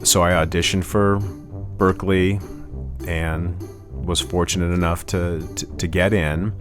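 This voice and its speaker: Very deep-voiced man telling stories. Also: steady tone, measured pace, music in the background. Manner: rambling, many restarts and "you know". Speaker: interview guest, musician. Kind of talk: casual storytelling interview.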